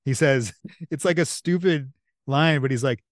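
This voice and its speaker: Man, podcast host, excitable rambling chat, mid pitch, dry close sound. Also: unhurried, dry recording. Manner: enthusiastic, rambling, animated retelling. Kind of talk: casual chat.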